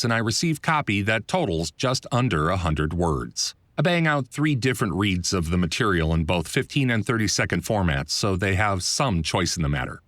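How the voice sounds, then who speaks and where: A man narrates a first-person audiobook in a fairly low voice, recorded close and dry. His delivery is very lively in pitch, with a conversational, self-deprecating wit. It sounds like a polished scripted read that still talks directly to the listener. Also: dry recording. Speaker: audiobook narrator, author reading own book.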